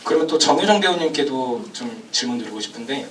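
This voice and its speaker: A man's voice: medium pitch, expressive, fast talker, a bit bright, distant mic. A man moderating a film Q&A, asking polite, long, winding questions. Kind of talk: hosting a post-screening talk. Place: cinema auditorium. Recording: echoey cinema, from afar, faint hum.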